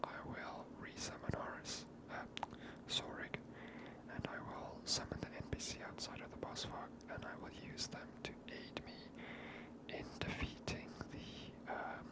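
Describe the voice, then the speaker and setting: A game streamer speaks entirely in a whisper, giving ASMR commentary on play. The delivery is hushed and breathy, with the voice barely sounding at all. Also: measured pace, poor audio.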